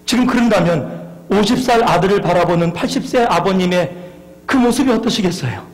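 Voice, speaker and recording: Male pastor preaching, high voice, keeps asking the congregation questions, echoey church hall. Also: expressive, fairly quick. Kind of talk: sermon. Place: church sanctuary. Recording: long hall reverb.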